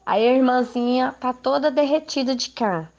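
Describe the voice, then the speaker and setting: A woman's voice: high voice, moderate pace, darkish tone, highs cut off. A woman with a Brazilian Portuguese accent giving an informal Christian teaching to women, talking conversationally and asking her listeners rhetorical questions. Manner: conversational, asks rhetorical questions, frequent tag questions. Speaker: women's ministry speaker.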